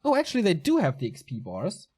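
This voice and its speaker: A man's voice: sits high, wildly swooping pitch, quick pace, darkish tone, breathy edge. A man giving casual solo commentary on a live strategy game tournament, chatty and answering viewer chat as he goes. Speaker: esports commentator.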